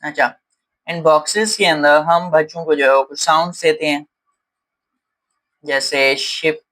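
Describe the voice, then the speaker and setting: Bright-voiced Indian man explaining a lesson. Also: on the high side, fairly even intonation, unhurried, low-quality recording. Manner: explains step by step, with many fillers and Hindi mixed with English terms. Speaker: teacher.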